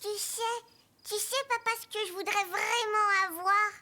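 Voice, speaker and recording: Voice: very high voice, fairly even intonation, moderate pace, pushed and bright, faint music behind, exaggerated voice. An actor playing a curious, eager four-year-old boy in a French-language children's cartoon. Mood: pleading.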